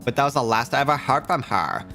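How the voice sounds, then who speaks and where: Man reading a hard-drinking female reporter, brash, with lively pitch. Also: fast talker, vocal fry, soft background music, heavily acted. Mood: bitter. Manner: reads lines aloud, tipsy drawl. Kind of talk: reading game dialogue aloud.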